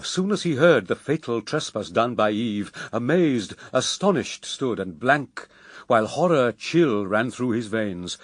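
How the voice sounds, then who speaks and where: A man narrating epic verse for radio drama in a grave, theatrical, measured manner. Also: medium pitch, no echo, studio quality.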